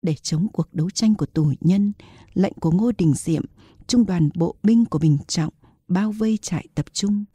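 A woman's voice: on the low side, normal speed, dark tone, slightly rough, no echo, clean studio sound. A woman narrating a historical novel as an audiobook, reading steadily in a storytelling manner.

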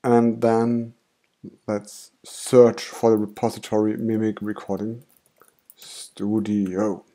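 A man with a German accent, a native German speaker, calmly explaining software steps in a screen-recorded tutorial. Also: on the low side, slow. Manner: calm step-by-step explaining. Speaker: tutorial host.

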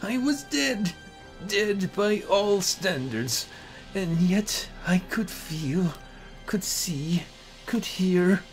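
A woman giving a dramatic first-person horror narration in a theatrical, anguished, deliberate manner. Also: lowish voice, animated. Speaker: amateur story narrator. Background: music.

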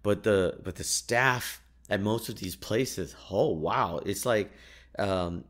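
A man's voice: fairly low pitch, slow pace, a bit bright. A man whose first language is Urdu tells anecdotes in a casual, jokey monologue as a podcast host, with wry exaggeration.

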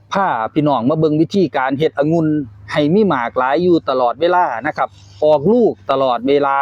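Quick chatty man with an Isan accent. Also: a little high, dry recording, highs cut off. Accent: Isan (Northeastern Thai). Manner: chatty, eager, folksy address to viewers. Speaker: farming channel host. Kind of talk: casual on-site interview. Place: grape greenhouse on a farm.

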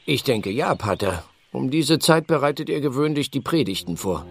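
An actor playing a village doctor in a radio play, dry and matter-of-fact in manner. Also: male voice, mid-range voice, lively intonation, moderate pace, gravelly. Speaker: actor in audio drama. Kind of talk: German radio play acting.

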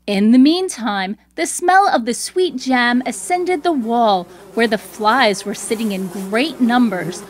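A woman host reading scripted storybook narration in a clear storytelling delivery. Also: fairly high pitch, slow pace, few pauses.

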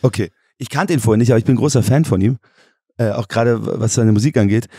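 A man with a Bavarian accent tells animated stories at a rapid clip, often breaking into laughter and restarting his sentences. His voice has a husky edge. The sound is dry and close, with no room around it. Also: medium pitch, no room sound. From Germany. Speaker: podcast guest. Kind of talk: casual chat.

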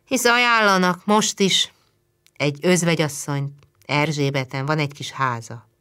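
A woman's voice: low voice, pushed and bright, smooth. A woman reading the lines of a friendly, teasing male chimney sweep in his thirties, widowed. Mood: earnest. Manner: friendly, joking.

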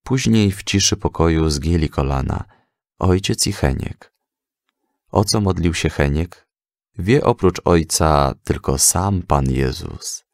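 A man reading a scripted children's story as an expressive audiobook narrator. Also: extremely low pitch, slow, no echo, studio quality.

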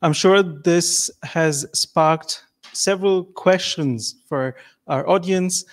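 A young man moderating a conference session in a lecture hall, thanking the speaker and announcing a break in a formal way. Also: a little high.

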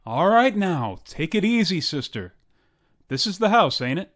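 Lady doing gruff folksy sheriff for a radio play, bossy, voice goes up and down a lot. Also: on the low side, sing-song, measured pace. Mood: placating. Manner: folksy, brusque, commanding. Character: gruff, take-charge county sheriff. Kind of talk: old-time radio drama acting.

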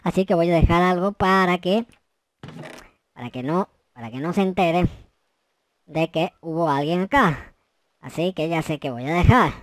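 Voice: mid-range voice, normal speed, pauses often, no room sound. A gaming host giving theatrical, exclamatory commentary with roleplay and plenty of slang.

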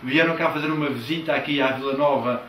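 An older man interviewing a couple in a living room, asking slow, hesitant, friendly questions into a handheld mic. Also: a little high, fairly bright tone. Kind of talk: casual TV interview. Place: living room of a house, indoors. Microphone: handheld microphone. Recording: roomy, distant, faint background noise.

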